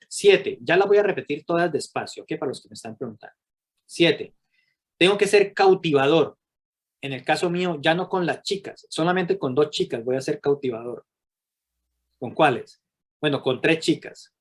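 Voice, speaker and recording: A middle-aged man giving a Catholic leadership workshop to a live group, animated and often checking in with the audience. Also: medium pitch, breathy edge. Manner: animated, asks the audience rhetorical questions.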